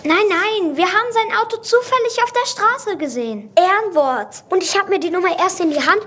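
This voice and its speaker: Eager, very high-voiced child detective. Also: female voice, brisk, a little hiss or hum. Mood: earnest. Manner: excited, insistent. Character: eager, earnest school-age child detective. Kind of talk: children's radio drama acting.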